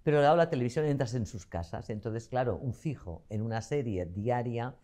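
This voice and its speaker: A woman's voice: very deep voice, lively intonation, brisk, warm tone. An older woman from Zaragoza, a guest actress telling stories at length in an interview. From Zaragoza, Spain. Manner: chatty, talkative storyteller. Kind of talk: interview conversation.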